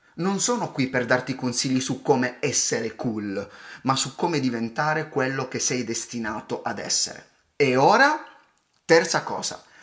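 A man speaks at medium pitch and a moderate pace with ordinary pitch variation. It is an unremarkable speaking voice. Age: 30s. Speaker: podcast host, youth leadership coach. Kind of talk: motivational monologue.

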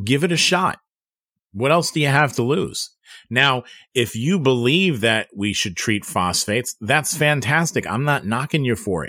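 A man talks loudly at a moderate pace, his pitch in the medium range. His intonation is lively and his tone bright and sharp. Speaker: pool industry podcast host. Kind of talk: casual chat. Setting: remote call, sitting in the dark with a candle.

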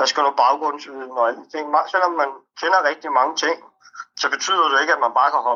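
Talking very fast, a man keeps a fairly high pitch and fairly even intonation. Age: 30s. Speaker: restaurant owner. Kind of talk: interview. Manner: halting.

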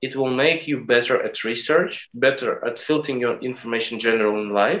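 This man speaks with a non-native accent at a medium pitch. His pace is moderate and his pitch variation ordinary. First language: not English. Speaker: weighted calisthenics athlete. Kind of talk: interview.

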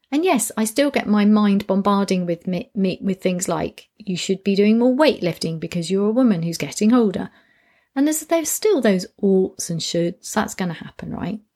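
A woman with a British accent speaks at a medium pitch in a dark, mellow, somewhat breathy tone, her intonation lively and her pace moderate. The recording is very clean, with a silent background. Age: 50s. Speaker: coach and podcaster. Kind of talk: solo reflective monologue.

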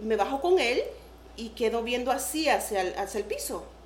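A woman speaks with audible room echo. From Honduras. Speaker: former journalist and beauty queen. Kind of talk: interview.

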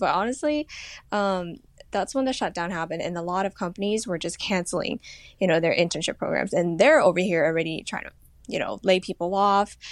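Against a quiet background, a woman with an ordinary speaking voice and a medium pitch talks at a fairly quick pace with lively intonation. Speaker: procurement specialist. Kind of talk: interview. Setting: podcast.

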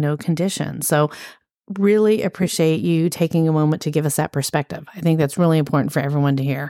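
On a very clean recording with a silent background, a woman with an ordinary speaking voice talks at a fairly quick pace and a fairly low pitch. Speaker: podcast host. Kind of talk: interview podcast hosting.

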